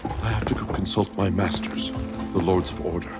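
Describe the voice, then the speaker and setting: An actor playing a weary old sorcerer in a game, speaking in a grave, earnest warning tone. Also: male voice, low-pitched, fairly even intonation, moderate pace, natural voice. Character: weary old sorcerer freed from his helm, man. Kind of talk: video game cutscene acting. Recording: voice over loud game music.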